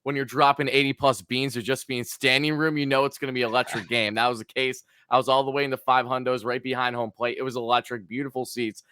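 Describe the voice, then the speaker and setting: A man hosting a sports podcast, talking in a casual, excited way, his voice hoarse from cheering. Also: medium pitch, fast talker, hardly any pauses, no echo, studio quality. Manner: excited, fan-like, hyped. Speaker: podcast host.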